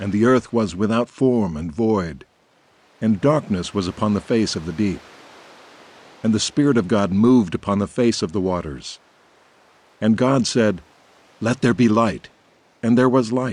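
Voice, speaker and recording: Fairly low pitch from a man with ordinary pitch variation, moderate pace and long, frequent pauses. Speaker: audiobook narrator. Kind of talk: scripture reading.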